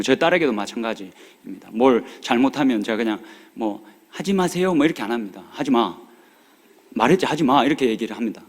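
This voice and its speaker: Earnest male pastor preaching in a reverberant church hall. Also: mid-range voice. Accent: Korean regional dialect. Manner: earnest, pleading exhortation with rising urgency. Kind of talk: sermon. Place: church sanctuary.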